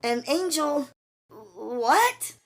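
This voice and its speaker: A man voicing a tough, streetwise young New woman who talks brashly and fast. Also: very high voice, very animated, voice pushed up, full character voice. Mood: indignant. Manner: brash, rapid-fire, indignant. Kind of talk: audiobook character voice.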